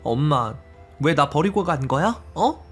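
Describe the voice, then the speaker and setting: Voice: mid-range voice, very animated, measured pace, a bit bright, husky, soft background music, heavily acted. A performer voicing a grown daughter who accuses her mother of abandoning her, in a dramatized story reading, with a pleading, bitter manner. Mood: hurt, pleading.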